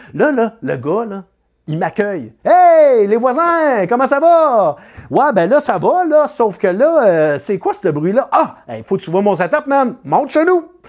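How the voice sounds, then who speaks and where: With a Quebec accent, a man speaks at a very slow pace in an extremely high pitch, with very wide pitch swings and big swings in loudness. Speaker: magician and storyteller. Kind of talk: comedic storytelling. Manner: animated.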